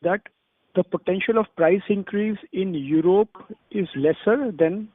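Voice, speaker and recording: High-pitched man on phone. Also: measured pace, no echo. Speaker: analyst caller asking questions. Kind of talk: earnings call questions. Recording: narrow, dry phone line.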